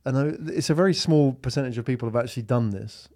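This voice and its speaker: A man's voice: mid-range voice, quick pace, a little mellow, no room sound, studio quality. A man hosting a podcast interview, asking casual, probing questions. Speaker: podcast host. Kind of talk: conversational interview.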